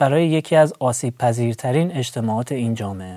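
The recording is very clean, with a silent background, as a man talks at a fairly quick pace with lively intonation. He has an unremarkable speaking voice. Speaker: podcast host. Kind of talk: scripted narration.

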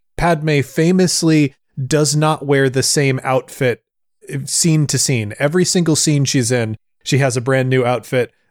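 Fairly high in pitch, a man has an unremarkable speaking voice with ordinary pitch variation and very even loudness, talking at a fairly slow pace in a dry, close sound with no echo. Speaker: podcast host and RPG writer. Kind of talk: casual chat.

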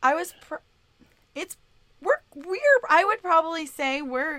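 A woman speaks in a raised, projected voice with a bright, sharp tone. The sound is dry and close, with no echo. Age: 30s. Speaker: podcast co-host. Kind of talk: casual chat. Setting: remote video call.

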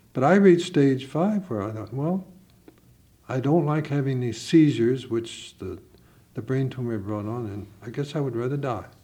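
A man's somewhat breathy, dark, mellow voice at medium pitch, moderate pace, lively intonation and big swings in loudness. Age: 70s. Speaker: hospice chaplain. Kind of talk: casual interview.

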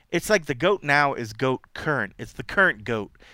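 A man speaks at a moderate pace in a raised, projected voice with a bright, sharp tone, the sound dry and close with no echo on a very clean recording with a silent background. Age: 40s. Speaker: MMA podcast co-host. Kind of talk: casual chat.

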